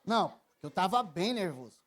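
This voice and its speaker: High-voiced Brazilian pastor in his thirties preaching; moves from quiet personal stories to loud, emphatic appeals. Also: very animated, normal speed. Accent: Brazilian Portuguese. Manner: personal storytelling, swings from soft confession to loud emphatic preaching. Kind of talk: sermon.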